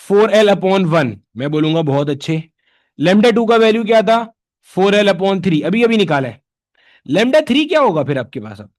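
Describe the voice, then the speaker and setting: A man teaching a physics lecture, asking questions and answering them himself in a conversational way. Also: sits high. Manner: conversational, answers his own questions in students' voices. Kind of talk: classroom lecture.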